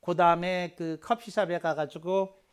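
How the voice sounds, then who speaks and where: A man preaching a short children's sermon as a pastor, talking conversationally, repeating key phrases and swinging into loud, emphatic bursts. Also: high voice, steady tone, measured pace, clean tone.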